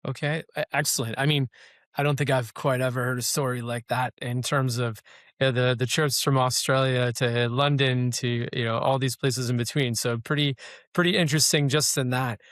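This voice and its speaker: A man's voice: mid-range voice, steady tone, normal speed, fairly bright tone, no room sound, studio quality. Man hosting a local interview show. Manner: conversational, with fillers like "you know". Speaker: podcast host.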